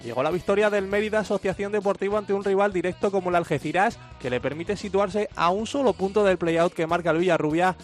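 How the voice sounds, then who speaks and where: A man's voice: sits high, fast talker, hardly any pauses, faint music behind. A man presenting sport on radio, narrating a scripted league round-up.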